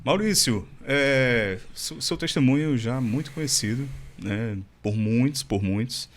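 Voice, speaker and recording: Chatty podcast host, mid-pitched. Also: male voice, measured pace, fairly bright tone. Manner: friendly, chatty, light joking. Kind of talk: casual interview chat.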